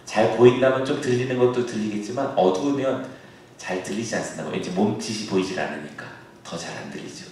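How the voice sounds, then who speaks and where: A male pastor preaching a sermon, now and then bursting into shouted calls as he acts out a scene. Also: on the low side, quick pace. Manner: acts out shouted calls across the water, then drops to a soft aside. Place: church sanctuary. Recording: echoey church hall, heard from a distance.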